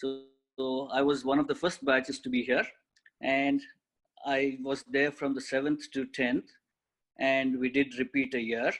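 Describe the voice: A man talks at a fairly slow pace in a medium pitch. His pitch moves very little.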